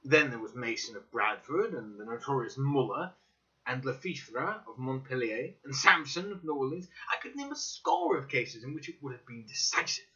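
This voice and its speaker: A man voicing an eager, excitable young detective-scientist in a dramatic audiobook reading, boastful and theatrical with sweeping emphasis. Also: medium pitch, moderate pace. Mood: excited, triumphant. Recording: dull, slightly lo-fi recording.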